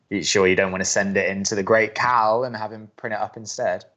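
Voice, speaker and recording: Low-voiced wry college radio skeptic. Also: male voice, fairly even intonation, moderate pace, bright, forceful tone, muffled recording. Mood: hesitant, guarded. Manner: hesitant, dry, sardonic. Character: Drew, wry reluctant skeptic male college radio co-host. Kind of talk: naturalistic audio drama acting.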